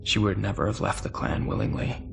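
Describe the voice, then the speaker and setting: A gravelly, low-voiced young warrior, brooding and stubbornly earnest in a game drama. Clear noise runs behind the words. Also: male voice, big pitch swings, a little fast, full character voice. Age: young adult. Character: earnest, stubborn young male mech pilot. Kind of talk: dramatic game cutscene acting.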